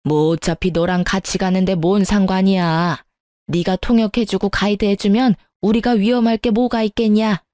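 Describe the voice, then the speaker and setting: A woman's voice: mid-range voice, fairly even intonation, normal speed, dark tone, no echo, clean studio sound, lightly acted. A woman voicing a pushy, domineering older mother-in-law who nags and scoffs. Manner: nagging, domineering.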